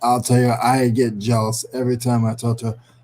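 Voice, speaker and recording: This man speaks with a New England accent. His voice is medium in pitch. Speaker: online reseller livestreaming. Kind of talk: casual live stream chat. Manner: loud.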